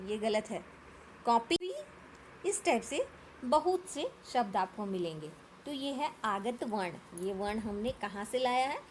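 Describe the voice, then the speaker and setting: A woman's voice: a little high, slight background noise. A woman teaching a primary school grammar lesson. She asks the class questions, answers them herself and has them repeat sounds after her.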